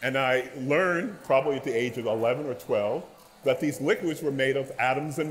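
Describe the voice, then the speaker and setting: A normal speaking voice with an American accent moves at a moderate pace with ordinary pitch variation over light background noise. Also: man. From Brooklyn, New York; New York. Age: 60s. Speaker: professor. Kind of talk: lecture. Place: hall.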